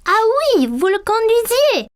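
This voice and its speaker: A woman voicing a curious, excitable four-year-old boy in a cartoon, eager and full of wonder. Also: very high-pitched, slow, full character voice. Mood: excited. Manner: eager, wide-eyed, bursts of wonder.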